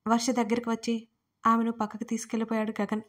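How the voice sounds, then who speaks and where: A woman narrating a serialized audio story in an even, steady reading. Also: a little high, fast talker.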